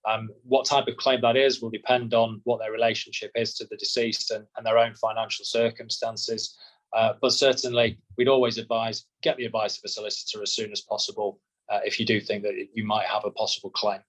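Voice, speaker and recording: A man answering as a solicitor, measured and explanatory, often repeating words as he restarts. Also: fairly low pitch, level tone, a bit bright, poor audio. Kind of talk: expert interview answers.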